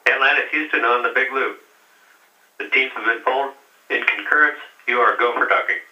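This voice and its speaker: A man's voice: mid-range voice, brisk, reverberant, distant mic. A man giving terse, procedural mission control calls over a crackly space-to-ground radio link. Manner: clipped, procedural. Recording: noisy lo-fi radio loop from afar.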